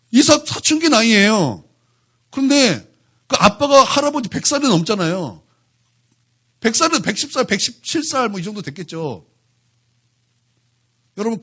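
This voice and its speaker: A man's voice: high voice, a bit bright, slightly rough. A male pastor preaching a sermon in church, talking animatedly and keeping the congregation engaged with one question after another.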